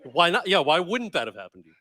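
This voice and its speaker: Lively-voiced man interviewing on stage. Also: sits high, fairly quick, no echo. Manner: encouraging, prompts with short questions and laughs. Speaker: interviewer at a live author event.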